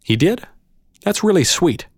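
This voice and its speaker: A man acts out a reluctant fantasy knight, flustered and blustering. His pitch jumps around as he bluffs at heroism, in a dry, close storybook recording. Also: sing-song, a little slow, husky, no echo, heavily acted. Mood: earnest. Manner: blustering, self-doubting, exclamatory.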